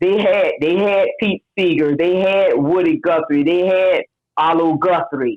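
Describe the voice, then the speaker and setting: Speaking fairly slowly in a normal speaking voice, a woman keeps a fairly low pitch with ordinary pitch variation. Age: 60s. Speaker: folk and blues singer. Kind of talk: interview.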